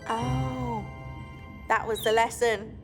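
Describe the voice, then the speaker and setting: A woman's voice: a little high, flat delivery, takes it slowly. A woman voicing a vain, dramatic young female pop star captain in a cartoon, bossy and whiny, with music behind. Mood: worried.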